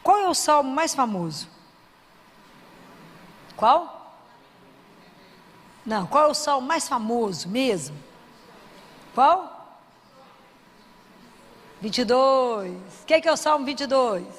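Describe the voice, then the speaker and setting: A woman preaching a sermon, who keeps asking her audience questions and acts out prayers in a softer voice. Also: high-pitched, expressive, a little fast, hardly any pauses, long reverb tail. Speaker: Christian speaker.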